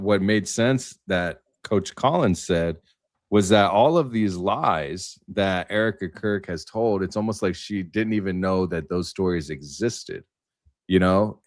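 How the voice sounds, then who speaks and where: A man speaking as a panelist in a livestream discussion, rambling and tentative as he thinks out loud. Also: low-pitched, no echo, clean studio sound. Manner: halting, tentative, thinking aloud.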